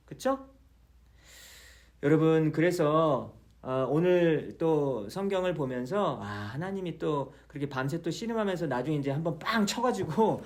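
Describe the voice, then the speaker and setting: A man preaching a chatty, storytelling sermon, his slightly high voice swinging widely up and down. He keeps turning to the congregation with questions and now and then slips into the voices of the people in the story. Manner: acts out the quoted speech of the people in his story. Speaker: pastor. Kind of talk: conversational sermon.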